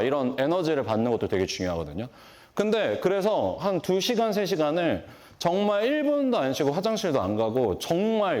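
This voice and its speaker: Guy in his 40s giving a big conference talk, voice bouncing up and down a lot, keeps quizzing the crowd. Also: mid-range voice. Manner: animated, asks the audience questions and acts out greetings. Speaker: beauty industry lecturer. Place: large conference hall.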